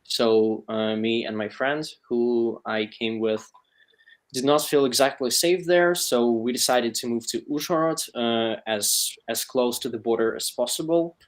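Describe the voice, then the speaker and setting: A man with a Ukrainian accent and an average-pitched voice speaks as a panel guest. He tells a personal account in a conversational way. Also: a little slow.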